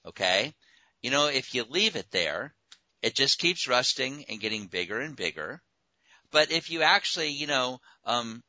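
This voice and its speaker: A man with a fairly low but bright, forceful voice chats in a folksy way on radio. The sound is dry and close. It has the dull, narrow band of a broadcast. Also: no room sound. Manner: folksy, explaining with an everyday analogy. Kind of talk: casual radio talk.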